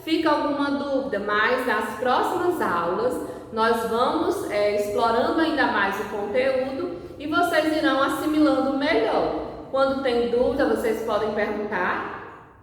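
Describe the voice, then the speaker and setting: Brief: Brazilian woman teacher, slow and patient, lively higher voice, echoey room, recorded from a distance. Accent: Brazilian Portuguese. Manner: slow, patient, over-enunciated demonstrations. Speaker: primary school teacher. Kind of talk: recorded remote lesson.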